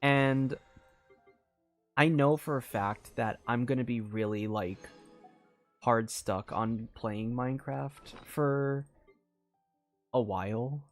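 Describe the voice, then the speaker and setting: A man's voice: mid-range voice, slow pace, long pauses. A man chatting casually on a gaming live stream, rambling and thinking aloud in a distracted way. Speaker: game streamer. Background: video game music.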